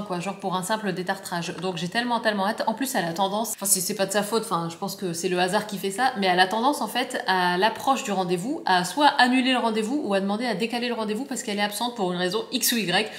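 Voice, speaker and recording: A woman's voice: medium pitch, a little hiss or hum. A young woman with a northern French ch'ti accent, chatting casually on a vlog and rambling with lots of fillers and restarts. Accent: Picard (ch'ti), northern France. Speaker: vlogger. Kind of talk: casual chat to camera. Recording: echoey room.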